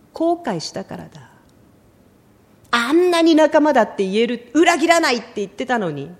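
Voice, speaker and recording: A middle-aged woman preaching a sermon in an expressive storytelling way, often acting out the lines she quotes. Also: sits high.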